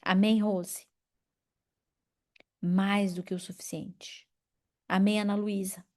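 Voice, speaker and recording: A woman in her forties preaching a sermon in an animated, personal way, calling on members of the congregation by name. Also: medium pitch, slow. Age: 40s. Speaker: pastor.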